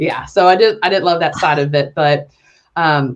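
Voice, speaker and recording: The speaker has a Southern US accent and a moderate pace. Intonation stays fairly even against a quiet background. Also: woman. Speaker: web developer and entrepreneur. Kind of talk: casual interview chat.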